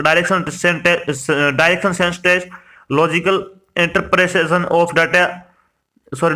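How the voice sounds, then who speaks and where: A man's voice: on the high side, bright, forceful tone. A man from India giving an instructional explainer, reading out lists and addressing listeners directly. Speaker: exam information presenter.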